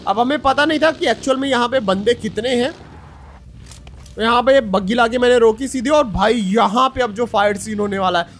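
A young man narrating his own gameplay in a chatty, excited voice-over, talking straight to his viewers. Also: very high-pitched, fairly quick, a little hiss or hum. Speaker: gaming YouTuber.

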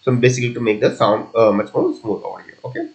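A man giving an unscripted coding walkthrough as a tutorial presenter, explaining step by step in a halting, repetitive way. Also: mid-range voice, huge pitch swings, a little mellow.

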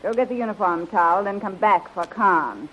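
A woman's voice: mid-range voice, normal speed, close to an everyday voice. An actress playing an imperious, vain queen in a theatrical 1930s radio style. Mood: flirtatious, regal. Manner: haughty, commanding, grandly theatrical. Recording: muffled, hissy 1930s radio recording.

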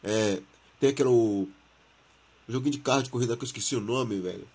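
Brazilian male gaming host, informal and slangy, mid-pitched, husky from flu and a sore throat. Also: brisk, darkish tone. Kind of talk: casual gaming news commentary, reading and commenting on an article.

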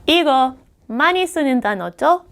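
A middle-aged American woman whose first language is English, teaching grammar on a video lesson and drilling words slowly and carefully. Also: high voice, expressive, vocal fry, a bit bright. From United States.

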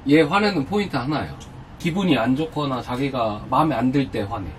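A young man casually explaining things to friends in a relaxed conversation. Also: medium pitch, fairly quick, slight background noise. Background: music.

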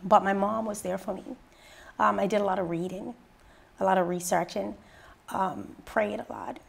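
A woman from Bermuda talks in a sit-down interview with a gravelly edge to her mid-range voice. She tells her stories with lively swings upward when she gets excited, recorded on a lapel mic in a living room. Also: normal speed. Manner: lively storyteller, rises high when excited. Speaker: interview guest, radio personality and youth mentor. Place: living room set indoors.

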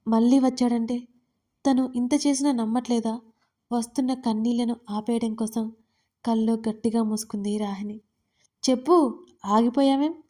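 A woman narrates an audio love story with a steady, expressive reading. Her voice is mellow and warm, pitched a little high, and she carries every scene at an even pace. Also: normal speed.

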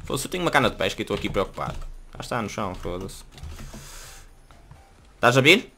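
A young man with a European Portuguese accent talks quickly through a gaming session in a bright, forward voice. He jokes with his teammate and bursts into excited shouts and swearing whenever a fight breaks out. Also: lowish voice, slight background noise. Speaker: gaming video host. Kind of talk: casual gaming commentary.

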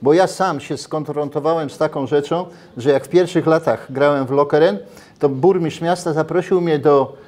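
A man's voice: a little high, moderate pace. An older man in a casual interview, talking animatedly with many restarts, recorded on a lapel mic in a brick-walled restaurant. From Poland. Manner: animated, gestures while talking, frequent restarts. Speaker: interviewee, former footballer.

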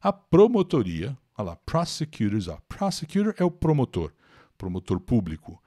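An older Brazilian man teaches a live English lesson with a very animated, up-and-down voice. He explains patiently and answers viewers' questions by name. The sound is close and dry, with no room echo. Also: medium pitch, moderate pace. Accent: Brazilian Portuguese.

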